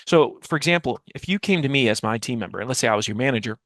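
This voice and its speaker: A man in his forties speaks as an expert guest, with some creak in a mid-pitched voice. He explains emphatically, posing questions and repeating phrases. The headset sound is dry, with little room in it. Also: lively intonation, very fast, fairly bright tone, dry recording. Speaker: guest, communication expert and author. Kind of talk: explanatory interview talk with acted-out example dialogue. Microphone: headset mic on a video call.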